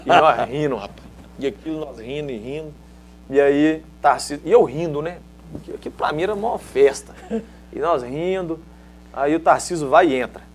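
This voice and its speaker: A middle-aged Brazilian man with a Mineiro accent spins football stories in a relaxed interview, sitting a bit high in his register. He slips into the voices of the people in his tales. A faint hum runs underneath. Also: moderate pace. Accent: Mineiro Brazilian Portuguese. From Minas Gerais, Brazil. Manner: lively storyteller who acts out other people's lines. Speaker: former footballer, interview guest. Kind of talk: casual anecdote in an interview.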